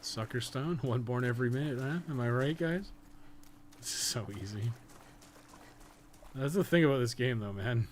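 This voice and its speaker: A man's voice: medium pitch, normal speed, pauses often, a little hiss or hum. A man doing casual live gameplay commentary as a streamer, sweary and sarcastic, often muttering to himself. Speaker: game streamer, podcast co-host.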